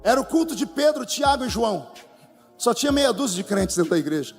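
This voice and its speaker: A man's voice: very high-pitched, a little fast, creaky. A male Brazilian pastor telling a humorous testimony in a sermon, acting out the people in his story. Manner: animated, humorous storytelling with acted quotes. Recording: reverberant church hall with music.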